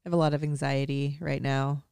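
Low-voiced congested woman co-host. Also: level tone, fairly quick, vocal fry, a little mellow, clear, resonant tone, no room sound. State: congested, nasal. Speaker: podcast co-host. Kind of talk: casual chat.

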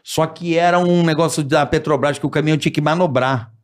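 A man hosting a casual chat, telling an animated story and acting out the voices of the people in it. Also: a little high, fast. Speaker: podcast host.

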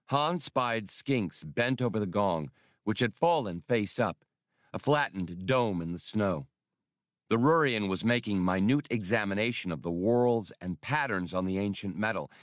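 A man reading scripted adventure fiction as an audiobook narrator, in a measured, dramatic storytelling manner. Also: on the low side, dry recording, clean studio sound.

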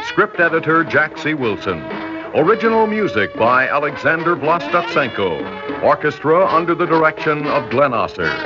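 Formal old-time radio announcer over music. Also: male voice, mid-range voice. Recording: dull old broadcast with music.

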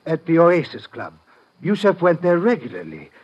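Dull old radio sound. a polite Arab assistant in a radio drama, with a fairly high, husky voice and careful, formal phrasing. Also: male voice, huge pitch swings, moderate pace, full character voice. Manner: formal, precise, deferential. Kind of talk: 1950s radio drama acting.

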